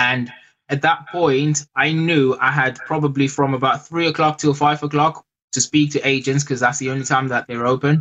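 In a fairly high, bright, sharp voice, a man talks with monotone, flat intonation. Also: moderate pace. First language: not English. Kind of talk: interview.

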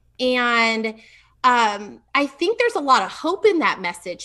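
Raised and projected, a woman's high-pitched voice carries a bright, sharp tone. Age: 40s. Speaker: health and fasting coach. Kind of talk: casual interview. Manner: chatty.

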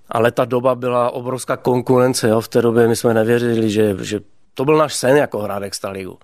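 On a very clean recording with a silent background, a man speaks at a fairly quick pace in a medium pitch, his intonation monotone and flat. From Czechia, Ostrava region. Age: 40s. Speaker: hockey coach, former player. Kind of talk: interview.

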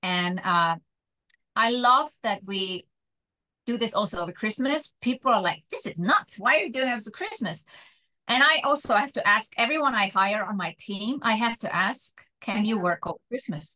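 The voice has a bright, sharp tone and speaks in an Icelandic accent. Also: woman, fairly high pitch for a woman, lively intonation, moderate pace, dry, close sound with no echo. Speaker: online business mentor. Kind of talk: interview.

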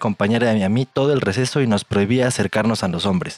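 Unremarkable speaking voice from a man of medium pitch, fairly quick pace and ordinary pitch variation, with a dry, close sound with no echo. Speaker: podcast co-host. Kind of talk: casual chat.

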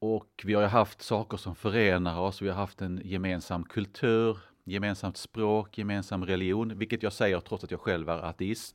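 Against a quiet background, a man talks at a moderate pace with hardly any pauses. His fairly low voice has monotone, flat intonation. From Sweden. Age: 50s. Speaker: politician. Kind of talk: interview.

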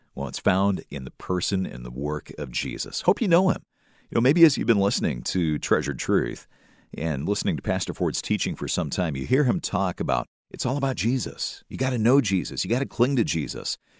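With vocal fry and very wide pitch swings, a man talks at a fairly quick pace in a very deep, low pitch. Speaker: radio host. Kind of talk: radio announcing. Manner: formal.

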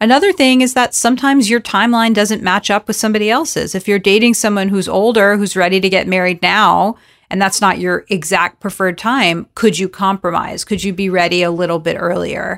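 A woman speaks with an American accent in a plain, everyday voice, at a medium pitch with ordinary pitch variation. Her pace is fairly quick with hardly any pauses, on a very clean recording with a silent background. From US, South Florida. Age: 30s. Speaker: dating coach and behavioral scientist. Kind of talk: interview.

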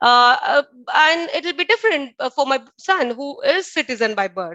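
A raised, projected voice with a bright, sharp tone makes very wide pitch swings at a fairly slow pace. The sound is dry and close with no echo. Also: woman. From India, Bangalore. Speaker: tech worker. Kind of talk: testimony. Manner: halting, many fillers.

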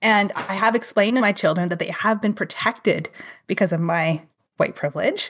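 A woman with a Canadian accent and a normal speaking voice talks at a medium pitch and a moderate pace with ordinary pitch variation, in a very clean recording with a silent background. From Ontario, Canada. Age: 40s. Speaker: travel vlogger and family travel expert. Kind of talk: casual interview. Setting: podcast interview.

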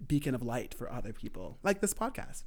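A man speaks with a Canadian accent at a moderate pace. He has an unremarkable speaking voice. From Ontario, near Toronto. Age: 30s. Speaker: podcast guest. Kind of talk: casual chat.

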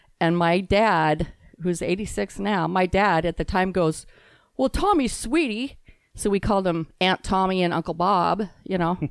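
In a very clean recording with a silent background, an ordinary speaking voice moves at a fairly slow pace with ordinary pitch variation. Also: woman, medium pitch for a woman. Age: 60s. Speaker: host's mother. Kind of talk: casual chat.

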